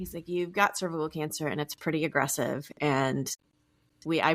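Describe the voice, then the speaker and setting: A woman's very deep, low voice with vocal fry and fairly even intonation, dry and close with no echo. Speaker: podcast co-host. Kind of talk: personal testimony in casual chat.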